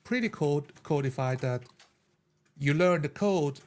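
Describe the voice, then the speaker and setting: Halting man in casual gaming discussion. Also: a little high. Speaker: tabletop role-playing player. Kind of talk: casual chat about game rules.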